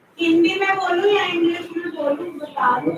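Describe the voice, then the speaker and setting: A woman's extremely high voice at a very slow pace with ordinary pitch variation, amid noticeable background noise and audible room echo. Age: 70s. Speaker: guest speaker, teacher. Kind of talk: talk to students. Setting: college auditorium with audience. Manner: conversational, code-switching Hindi and English.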